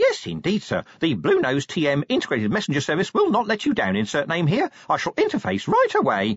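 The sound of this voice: Putting on a character voice, a man sounds squeaky and shaky, high-pitched with a slightly husky edge, talking at a fairly quick pace with very wide pitch swings in a dry, close sound with no echo.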